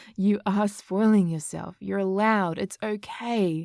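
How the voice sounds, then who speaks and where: A woman talks at a fairly slow pace in a gentle, soothing tone. Her intonation stays fairly even. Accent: New Zealand. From New Zealand. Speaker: ASMR creator. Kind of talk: comforting ASMR monologue. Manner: soft-spoken; gentle and soothing.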